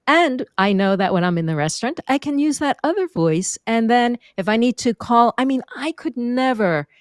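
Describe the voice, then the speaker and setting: A woman from New York, a speaking and vocal coach, chatting as a guest on a podcast with an expressive, lively teaching manner. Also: a little high, moderate pace, clean tone, no room sound, clean studio sound. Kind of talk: conversational podcast interview.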